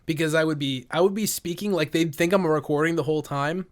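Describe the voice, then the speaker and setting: A man's voice: a little high, fast talker. A man hosting a podcast in casual, jokey chat. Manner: jokey, bursts into mock announcer voices. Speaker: podcast host.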